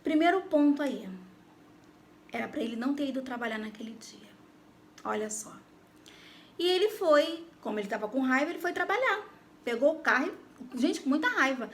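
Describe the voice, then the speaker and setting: A woman's voice: high-pitched, animated, moderate pace, pauses often, slight background noise. A Brazilian woman with a Brazilian Portuguese accent telling a personal faith testimony, talking animatedly and addressing her listeners directly. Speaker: Christian YouTuber giving testimony.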